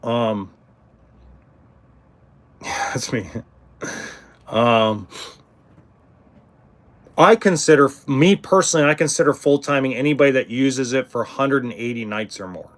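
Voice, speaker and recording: A man's voice: mid-range voice, measured pace, pauses often. A middle-aged man hosting a casual livestream about RVs, answering viewers in a rambling way, with frequent ums, restarts and blunt cursing. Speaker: RV livestream host.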